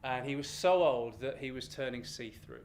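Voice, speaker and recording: British man in an animated storytime rant. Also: medium pitch, moderate pace. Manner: exasperated, self-deprecating, sweary. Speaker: live storytelling performer. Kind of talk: animated comic storytime rant told live to an audience. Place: live storytelling event with room ambience. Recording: noisy live venue recording.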